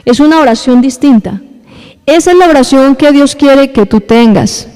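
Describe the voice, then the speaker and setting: A woman's voice: high-pitched, normal speed, warm tone, in a large hall. A woman pastor, preaching a sermon to her congregation and acting out little scenes for them. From Colombia. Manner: addresses the congregation directly, acts out little scenes. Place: church hall.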